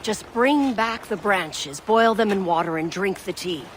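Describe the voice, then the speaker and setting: A woman playing a stern tribal elder and spiritual guide in a video game, speaking in a solemn, deliberate, commanding way. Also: medium pitch, animated, slight background noise, close to an everyday voice, poor audio. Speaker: game character giving guidance. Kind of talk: dramatic video game voice acting. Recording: music behind the voice.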